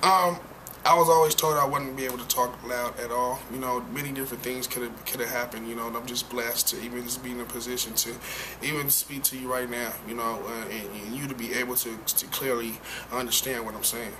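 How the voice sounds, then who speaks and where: A young man being interviewed as a football player, answering in a halting way with many fillers and restarts. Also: medium pitch, fairly even intonation. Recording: noisy background.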